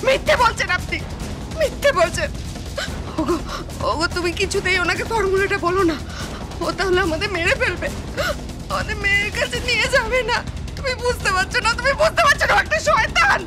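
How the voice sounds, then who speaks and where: A terrified captive mother, crying and pleading at a very high pitch. Music runs beneath the serial dialogue. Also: expressive, brisk, pauses often, a crowd in the background. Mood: desperate. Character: frightened captive mother begging to be spared. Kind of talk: TV serial acting.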